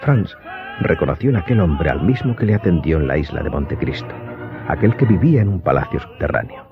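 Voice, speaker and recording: Male narrator, low pitch, measured literary storytelling, audiobook drama, dull recording, clear background music. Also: lively intonation. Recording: dull lo-fi sound, loud music behind.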